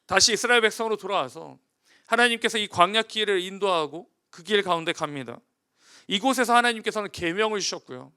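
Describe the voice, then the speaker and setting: A male pastor giving a sermon, asking the congregation rhetorical questions and moving between emphatic, louder passages and quiet, hushed ones. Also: high voice, smooth.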